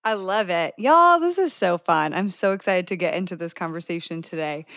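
Female host, 30s; energetic, chatty, dry close-mic recording. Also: fairly low pitch, normal speed, dry recording. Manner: bubbly, enthusiastic, acts out quotes. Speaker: podcast host and dating coach. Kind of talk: podcast hosting.

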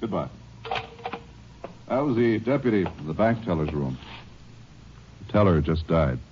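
An actor playing a brief, matter-of-fact hospital doctor in a 1950s radio drama. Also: male voice, deep voice, big pitch swings, unhurried. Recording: dull old radio recording, faint noise.

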